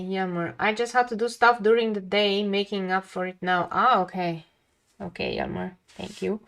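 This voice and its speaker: A young woman with a calming voice chatting casually with viewers while she draws on a livestream. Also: mid-range voice. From lives near a big Dutch city. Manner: chatty, talks to chat viewers, laughs often. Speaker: art livestream host. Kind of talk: casual chat while drawing.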